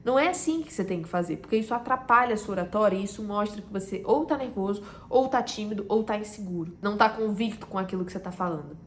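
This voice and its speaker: A woman with a Carioca accent from Rio de Janeiro gives a direct-to-camera lesson as a communication coach, speaking emphatically and dropping to a soft voice to make a point. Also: mid-range voice, animated, fast talker, hardly any pauses, a little hiss or hum. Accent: Carioca Brazilian Portuguese. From Rio de Janeiro, Brazil. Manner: emphatic, drops to a soft voice to make a point, then rises again. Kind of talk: direct-to-camera teaching talk.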